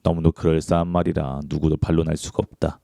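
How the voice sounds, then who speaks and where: A man reading a self-help book aloud in an audiobook style, calm and measured. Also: extremely low pitch, creaky, no room sound, clean studio sound. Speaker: book reader.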